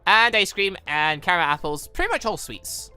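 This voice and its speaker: A man's voice: sits high, very animated, normal speed, pushed and bright, clean tone, dry recording, faint music behind, exaggerated voice. A man voicing a frank, questioning girl, an artificially created being, in a visual novel. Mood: eager. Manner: frank, matter-of-fact, questioning. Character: blunt, curious artificially created girl who loves sweets. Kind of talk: visual novel character reading.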